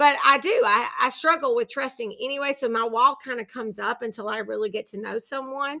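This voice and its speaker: In a raised, projected voice, a woman talks at a fairly quick pace with a high pitch, an animated, bright, sharp tone and ordinary pitch variation. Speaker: podcast host and community founder. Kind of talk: casual interview chat.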